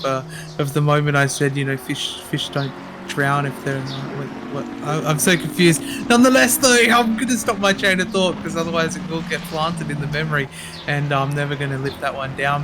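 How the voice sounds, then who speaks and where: A man's voice: on the high side, background noise. A man co-commentating a sim race, bantering and laughing at himself. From Australia. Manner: laughing, self-deprecating banter.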